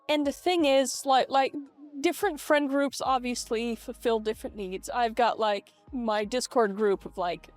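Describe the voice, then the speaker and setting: A middle-aged woman talking casually to her vlog audience through a voice changer, reflective and halting, with repeated false starts. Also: mid-range voice, no echo. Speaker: vlogger. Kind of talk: casual personal vlog monologue. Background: lo-fi video game music.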